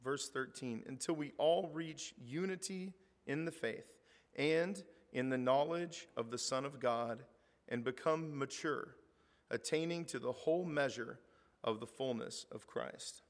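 A middle-aged man preaching a sermon, his voice hoarse, talking conversationally and reading scripture aloud with rising emphasis. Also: medium pitch, measured pace. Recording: reverberant hall.

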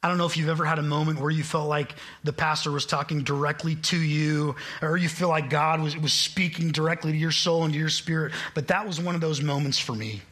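A man's voice: a little high, steady tone, brisk, hardly any pauses, fairly bright tone. A man in his late twenties from Kansas, a guest preacher giving an upbeat, joking sermon to a church congregation. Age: late 20s. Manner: upbeat, self-deprecating, joking. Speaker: guest preacher, college admissions staff. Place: church sanctuary.

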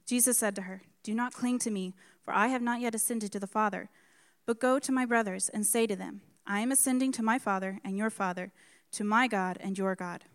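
A woman's voice: medium pitch, steady tone. Woman reading scripture at a pulpit microphone. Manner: measured, careful reading with announced references. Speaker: scripture reader. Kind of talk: reading scripture aloud in a church service. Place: church sanctuary.

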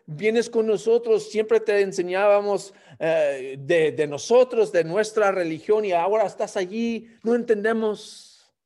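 A man's voice: high voice, measured pace, darkish tone, voice pushed up. A man voicing a worried parent who pleads with a grown child to come back. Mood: pleading.

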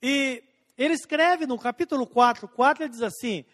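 High-voiced preacher in a reverberant hall. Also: male voice, fairly bright tone. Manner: preaching with emphatic rising and falling delivery, slowing on scripture quotes. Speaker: pastor. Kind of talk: sermon.

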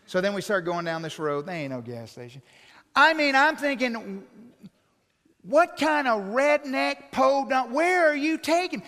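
A man preaching a sermon, telling stories in an animated, jokey way. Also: very high voice, a little slow. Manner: animated, jokey anecdotal delivery. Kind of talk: humorous sermon storytelling. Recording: long reverb of a large hall.

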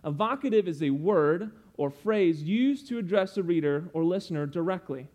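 An earnest young man delivering a sermon, his voice sitting a little high for a man. He explains patiently, like a teacher walking a congregation through a lesson, with frequent asides. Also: lively intonation, normal speed, darkish tone. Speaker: preacher.

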